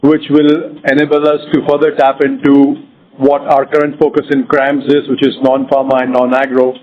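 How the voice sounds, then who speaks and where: A man, a company executive, giving prepared remarks on an earnings call, measured and with frequent fillers. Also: medium pitch, highs cut off.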